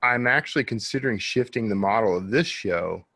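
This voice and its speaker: A man's voice: lowish voice, fairly quick, vocal fry, pushed and bright, husky, no echo, studio quality. A man hosting a podcast, chatting casually and informally with a guest. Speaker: podcast host.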